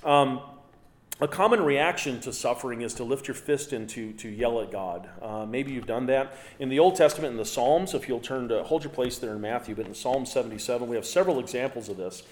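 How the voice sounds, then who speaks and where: Animated man teaching a Bible lesson. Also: fairly quick. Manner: animated, rises in pitch and volume when reading scripture aloud.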